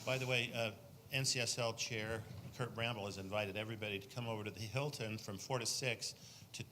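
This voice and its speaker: A man's voice: fairly low pitch, steady tone, brisk, pushed and bright, a little hiss or hum. A man, a state senator, speaking from the floor at a conference session, earnestly promoting a program at length. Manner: earnest, promotional, long-winded. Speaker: state senator asking a question.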